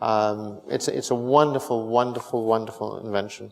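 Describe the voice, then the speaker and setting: A man speaks at a moderate pace with fairly even intonation. Noticeable background noise runs underneath. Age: 70s. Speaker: physician and researcher. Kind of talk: lecture. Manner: halting, many fillers.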